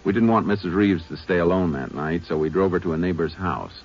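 A dull vintage radio recording carries a low-voiced American Texas Ranger. He is calm and methodical, speaking with matter-of-fact restraint in old-time drama style. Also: soft background music. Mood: measured narration. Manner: measured, matter-of-fact questioning. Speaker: lead actor and narrator. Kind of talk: 1950s radio drama acting and narration.

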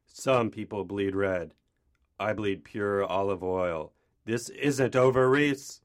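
A man's voice: on the low side, takes it slowly. A man playing a swaggering, furious, self-important chef in a melodramatic, pompous audio play parody. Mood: brooding defiance.

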